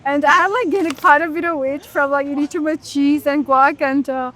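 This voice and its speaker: A young woman from Nepal, a software engineer guest, talking in an easygoing way with lots of "like" and "you know". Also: high voice, steady tone, moderate pace. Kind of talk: casual interview chat.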